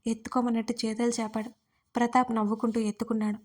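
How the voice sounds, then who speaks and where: Woman reading a family story out loud, gentle storyteller, kinda high voice. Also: little pitch movement, quick pace. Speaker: narrator. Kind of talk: scripted storybook narration.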